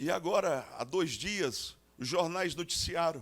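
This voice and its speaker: A man's high-pitched voice, with ordinary pitch variation and a fairly slow pace. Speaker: pastor. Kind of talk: sermon. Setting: church.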